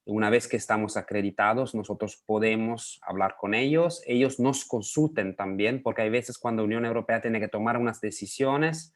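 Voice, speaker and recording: A man from Italy with an Italian accent, speaking Spanish as a second language in a video call interview, pausing often with fillers. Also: lowish voice. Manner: hesitant, many pauses and fillers. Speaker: interview guest, lobbying association head.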